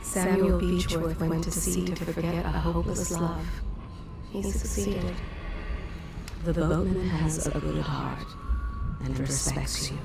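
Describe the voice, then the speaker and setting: Mysterious oracle voice for a game, lowish and creaky, solemn, sounds far off. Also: female voice, fairly even intonation, over music. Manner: slow, solemn, cryptic. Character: cryptic, oracular female voice telling secrets. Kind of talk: video game acting. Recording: distant, noisy ambience.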